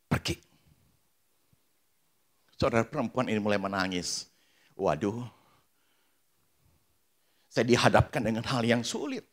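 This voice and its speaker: Guy preaching at church, storytelling, goes from hushed to loud, acts out the dialogue. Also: medium pitch. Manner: animated, swings from hushed asides to loud bursts. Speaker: pastor. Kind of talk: storytelling sermon. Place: church service.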